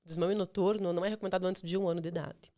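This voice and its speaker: A woman's voice: fairly low pitch, steady tone, very fast, mellow. A woman with a Brazilian Portuguese accent, a child nutritionist guest, who explains patiently and reassuringly and often ends her points with "tá". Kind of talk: explanatory interview talk.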